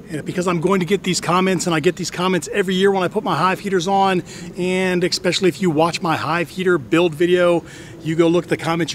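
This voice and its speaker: A middle-aged man hosting a casual beekeeping vlog outdoors, talking in a chatty way with exclamations and repeated restarts. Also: high voice. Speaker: hobbyist beekeeper and channel host. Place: outdoors in a wooded backyard apiary. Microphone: camera on a tripod at a distance. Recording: faint outdoor noise, bees and insects.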